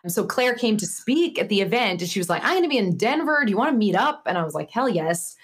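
A woman's voice: mid-range voice, very animated, fast talker, husky. A woman in her forties, a guest author in a podcast interview, talking in a chatty way with lots of fillers. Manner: chatty, with many fillers and restarts. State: slightly nasal from losing her voice.

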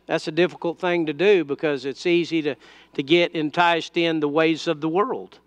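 A male pastor speaks into a pulpit microphone in a slow, unhurried sermon, his fairly high voice smooth and clear. He keeps it conversational, with frequent fillers and restarts. The sound is close and dry, with almost no room echo. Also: a bit bright.

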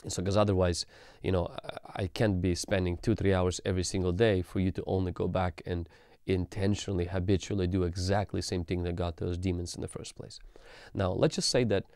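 A man in his thirties, a pastor, teaching calmly on a livestream into a studio mic in a small room, with frequent ums. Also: low-pitched, normal speed, clear, resonant tone, no echo. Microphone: studio mic on boom arm.

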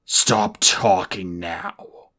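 A huge black dragon, as a man puts him on, slow and venomous in every word, with a husky edge to his voice. He sounds scornful and dangerous in a storybook reading. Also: low-pitched, sharp tone, pitched below the performer's own voice, exaggerated voice. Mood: menacing.

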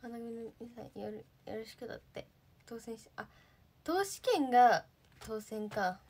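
A slightly high-voiced young woman from Japan chats casually into her phone. She sounds bubbly and talkative as she reads viewer comments and thanks them one by one. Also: animated, unhurried, a little mellow. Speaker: idol livestreamer. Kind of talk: casual livestream chat reading comments.

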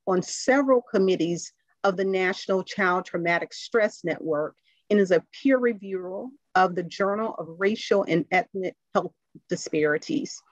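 Woman, moderator, formal introduction, measured, muffled video call, dry. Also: mid-range voice, dry recording. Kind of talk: reading a speaker introduction.

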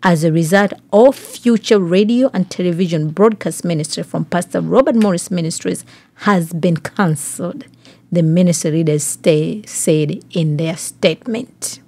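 Woman, podcast host, news commentary, slightly low pitch, husky tone, direct questioning manner. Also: normal speed, a little mellow. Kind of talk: news commentary, part reading aloud.

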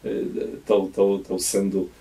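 A man's voice: low voice, monotone, takes it slowly, mellow, distant mic. A man in his fifties, a bishop from Poland with a Polish accent, speaking in a radio studio interview, reflective and hesitant with many restarts. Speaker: auxiliary bishop. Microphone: studio mic on boom arm.

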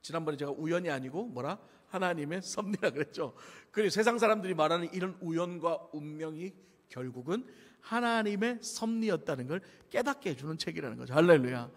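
A man's voice: fairly high pitch, expressive, a little fast. A man with a Gyeongsang Korean accent preaching a sermon, joking and telling the story with laughs, heard with long church reverb. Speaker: pastor. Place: church sanctuary.

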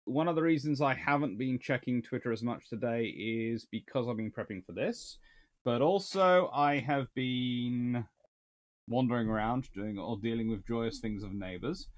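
Rambling man chatting on a livestream. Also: mid-range voice. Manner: rambling, animated, with many restarts and fillers. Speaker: naval history livestream host. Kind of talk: casual livestream chat reading viewer comments. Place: small home study with shelves of books.

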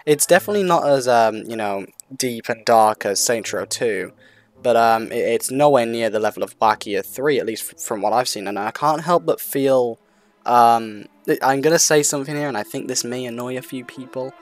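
A man's voice: medium pitch, moderate pace. A man giving unscripted, casual commentary on a video game in a rambling, hesitant way, often repeating himself.

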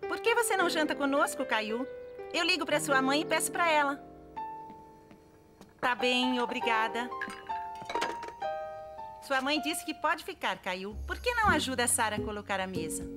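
Cartoon mother, Brazilian accent, high lively voice, gentle and hospitable. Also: moderate pace, pauses often. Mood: kindly. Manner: gentle, encouraging. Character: kind, hospitable mother of a young girl. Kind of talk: children's cartoon dub. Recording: music behind the voice.

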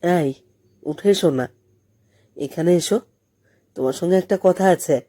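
A woman as an earnest, mellow young student lover. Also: on the low side, measured pace, no room sound, clean studio sound. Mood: coaxing. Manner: insistent, pleading. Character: earnest, impatient young male college student in love.

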